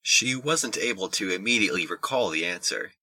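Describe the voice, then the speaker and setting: A man's voice: lowish voice, animated, a little fast, sharp tone. A man reading scripted narration for an audio drama.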